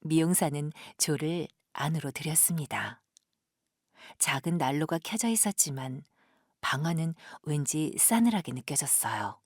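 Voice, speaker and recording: Female narrator for audio drama: deep register, breathy texture, gentle scripted storytelling. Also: expressive, normal speed, no room sound, studio quality. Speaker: narrator, professional voice actor.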